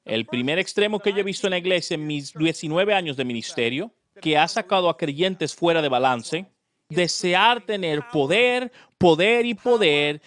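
A man's voice: sits high, fairly bright tone. A man preaching a sermon to a congregation, emphatic, often asking the listeners if they follow him and acting out prayers and dialogues. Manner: emphatic, asks the congregation questions; dramatizes prayers and dialogues in a raised voice.

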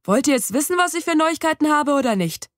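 A woman's voice: sits high, lively intonation, fast, dry recording, voice pushed up. An audiobook's hesitant young man, raised a little above the reader's own register, stumbling into long explanations, as a woman reads him. The studio is dry and close. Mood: explaining. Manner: hesitant, then explaining at length. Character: young man, nervous know-it-all friend. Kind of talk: audiobook dialogue reading. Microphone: close studio mic.

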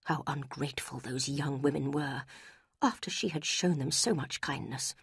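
A woman voicing a pompous, self-satisfied gentleman who speaks gravely in a low, hushed half-whisper. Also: normal speed, dry recording, clean studio sound, exaggerated voice. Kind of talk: audiobook character reading.

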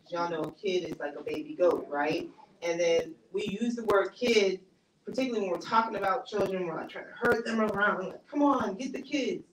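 A woman's voice: mid-range voice, brisk, background noise. Woman author chatting thru a q&a at a bookstore talk, roomy echo, kinda distant mic. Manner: conversational, laughs easily, many fillers. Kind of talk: casual lecture with audience Q&A. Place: small bookstore cafe event space. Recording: echoey room, mic far off.

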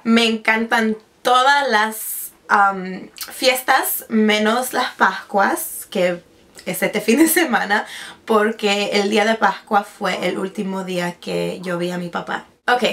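Seated at her bedroom vanity desk, a woman in her twenties vlogs about beauty to a camera in front at medium distance. Spanish was her first language, though she now mainly speaks English. Her medium-pitched, slightly bright voice moves slowly, chatty, with frequent restarts and English words mixed in.

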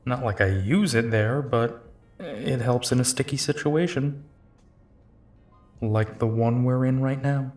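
Male actor as burly werewolf detective for audio roleplay: tired, protective, slow and sighing delivery over a music bed. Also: mid-range voice, darkish tone, natural voice. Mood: weary, brooding. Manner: musing, sighing, unhurried. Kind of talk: audio drama monologue, intimate and conversational.

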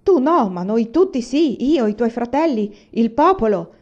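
A woman voicing a stern noblewoman who loudly and peremptorily scolds her daughter. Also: on the high side, big pitch swings, measured pace, highs cut off, pitched above the performer's own voice. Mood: scolding. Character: stern, harried noblewoman mother.

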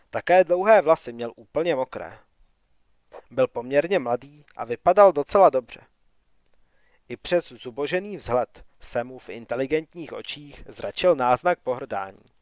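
Calm male audiobook narrator, dry sound. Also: medium pitch, no echo. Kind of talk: scripted narration.

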